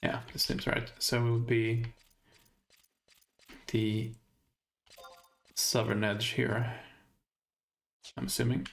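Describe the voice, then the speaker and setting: A man with a light Swedish accent narrates his playthrough at an unhurried pace. His voice carries a gravelly rasp, and he often pauses to think aloud about where to go next. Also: mid-range voice, little pitch movement, a little hiss or hum. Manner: thinking aloud while navigating, hesitant. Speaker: let's play host. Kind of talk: gameplay commentary.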